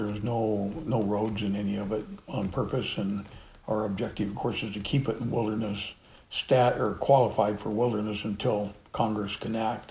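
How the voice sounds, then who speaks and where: A man with a fairly low pitch at a moderate pace, with audible room echo. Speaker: retired fish biologist and conservationist. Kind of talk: casual interview.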